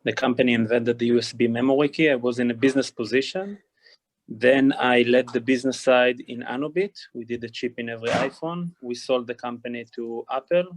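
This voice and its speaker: A man's voice: mid-range voice, steady tone, a little fast. A man from Israel with an Israeli accent introducing himself on a panel in clipped, matter-of-fact English. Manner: clipped, matter-of-fact, drops small words. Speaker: panelist, investor.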